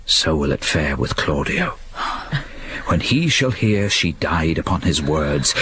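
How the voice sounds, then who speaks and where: A wise, patient friar, as a man plays him in a Shakespearean audio play. His voice is lowish and very raspy, and he speaks slowly. His lines rise and fall in a lively, soothing way. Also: exaggerated voice. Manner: measured, soothing, lilting delivery. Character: wise, calm male friar, patient counselor. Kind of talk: Shakespearean verse acting.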